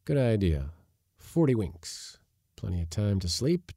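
A man reads the part of a stranded spaceman in a storybook tale. He is excitable and easily contented, repeating short exclamations. The mellow voice swings freely in pitch. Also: a little slow, no echo, studio quality, heavily acted.

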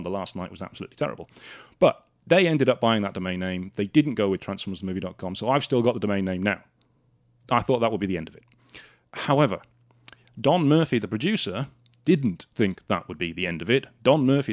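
Male podcast host from South Wales, slightly low voice, dry close sound, indignant sarcastic monologue. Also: no room sound. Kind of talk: casual storytelling monologue.

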